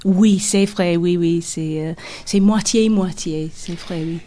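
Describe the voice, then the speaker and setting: A young woman from England, a native English speaker, speaking French with an English accent in a radio interview, a little halting as she searches for words. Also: fairly low pitch, mellow. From England, Brighton on the south coast. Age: young adult. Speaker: guest, singer and musician.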